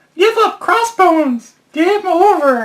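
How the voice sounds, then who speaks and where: A put-on character voice at an extremely high pitch speaks at a fairly slow pace. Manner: heroic, triumphant.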